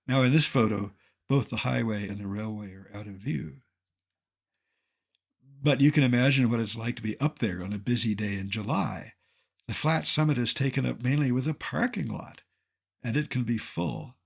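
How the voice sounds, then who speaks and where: Gravelly-voiced man in his seventies. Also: medium pitch. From Colorado, United States. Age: 70s. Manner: dry, wry humor with measured delivery. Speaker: naturalist giving a public slide lecture. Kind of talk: illustrated lecture with storytelling.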